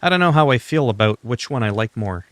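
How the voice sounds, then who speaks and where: Male streamer, French native, chatty and opinionated, medium pitch, dry and close. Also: expressive, fast talker, dry recording. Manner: chatty, opinionated, talks to chat. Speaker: gaming livestreamer. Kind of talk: casual livestream chat while playing.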